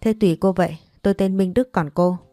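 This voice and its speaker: A woman's voice: mid-range voice, fast talker, dark tone, no room sound, studio quality, soft background music, natural voice. Woman voicing a clumsy apologetic young man. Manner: stammering, apologetic.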